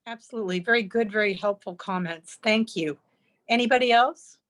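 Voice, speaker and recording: A woman chairing a public committee meeting in a polite, brisk, procedural way. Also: mid-range voice, a bit bright.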